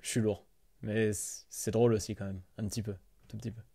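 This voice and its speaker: A man's voice: fairly low pitch, little pitch movement, fairly quick, vocal fry, warm tone, husky, dry recording. Man giving a dry, close-miked casual tutorial. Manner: informal, self-deprecating asides. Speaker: tutorial host. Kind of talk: casual software tutorial narration.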